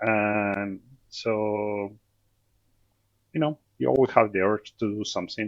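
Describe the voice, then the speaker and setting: Fairly low in pitch, a man with an Argentine accent speaks with fairly even intonation over a quiet background, the sound dry and close with no echo. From Argentina. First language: Spanish. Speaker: investment executive. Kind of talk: interview. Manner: halting, repeats words.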